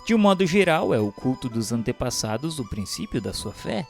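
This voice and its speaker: Male narrator, Brazilian, mid-range voice. Measured, declamatory delivery of formal spiritual text over a light instrumental bed. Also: mid-range voice, sing-song, vocal fry, darkish tone. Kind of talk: solemn scripted spiritual audiobook narration. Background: instrumental music.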